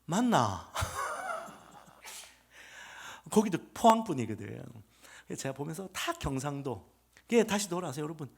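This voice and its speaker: Lively-voiced preacher with a Gyeongsang accent. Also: male voice, a little high, measured pace, gravelly, long pauses, breathy edge. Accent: Gyeongsang Korean. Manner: emphatic preaching, swings from loud proclamation to hushed murmur. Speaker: pastor. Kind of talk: revival sermon.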